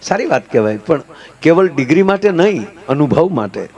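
A man telling folk jokes on stage, acting out characters in changing voices and adding preachy asides. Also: normal speed. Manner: animated, swings pitch to act out quoted characters. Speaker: folk humorist. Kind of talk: live folk comedy storytelling.

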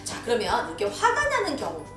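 A woman teacher speaking to young children in a home-activity lesson video, animated and acting out the voices she quotes. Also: a little high, brisk. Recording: echoey room from far off with music.

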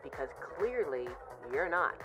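A woman playing a caring, worried best friend in an audio roleplay, speaking in an earnest, soothing, gently insistent way. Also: deep voice, big pitch swings, a little slow, over music. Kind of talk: roleplay audio drama monologue, intimate comforting.

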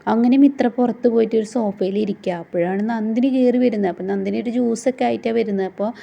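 A woman's voice: fairly high pitch, steady tone, fast, vocal fry. A woman casually retelling a drama's plot in a chatty way, with tag words and restarts, on a dull lo-fi recording. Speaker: storyteller recapping a serial.

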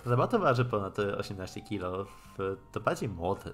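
A man with a Polish accent on a live game stream, haltingly translating dialogue aloud and commenting casually. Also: fairly low pitch, very animated, fairly bright tone. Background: game music.

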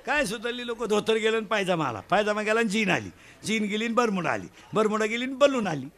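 A man from Maharashtra delivering a comic devotional sermon, animated, with loud bursts and mimicry of village folk. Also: high-pitched, quick pace, a little hiss or hum. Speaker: kirtan preacher.

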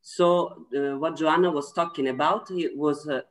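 A woman in her forties speaking thoughtfully on a video call panel from home, pausing often with fillers. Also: low voice, fairly even intonation. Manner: thoughtful, searching for words with many fillers. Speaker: webinar panelist. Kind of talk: conversational panel discussion. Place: home room, indoors. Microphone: laptop webcam video call.

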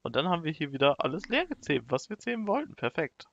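A young man giving casual, excitable let's play commentary and talking to the animals in his game. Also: a little high, fast talker, gravelly, muffled recording. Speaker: gaming YouTuber.

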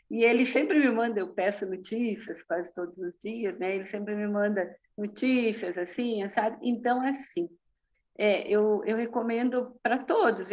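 A therapy practitioner with a fairly high voice shares her testimonial story over a video call, sounding lo-fi. She keeps it conversational, laughing frequently and ending remarks with tag questions.

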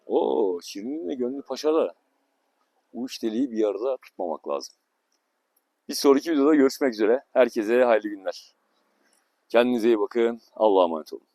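A man's voice: mid-range voice, warm tone, dry recording. Man chatting teasingly to his dog. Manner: teasing, affectionate talk to a dog. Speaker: vlogger. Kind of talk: casual talk to dog and video sign-off.

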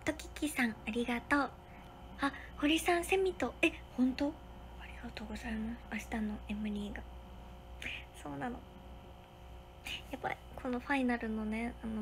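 A young woman with a slightly high voice hosts a casual livestream from a hotel room, thanking viewers one by one for their comments. At times she drops to a soft whisper, and there's a bit of background noise.

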